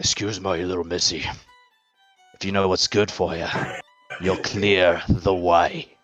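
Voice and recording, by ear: A put-on character voice speaks at a fairly slow pace with faint music in the background. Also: man, very deep, low pitch for a man.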